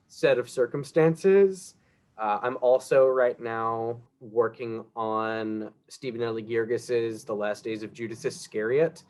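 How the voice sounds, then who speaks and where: A young man, an acting student, talking at length about his classes and projects on a video call panel. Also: mid-range voice. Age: young adult. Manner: chatty, explains at length. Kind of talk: casual panel talk. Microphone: video call mic.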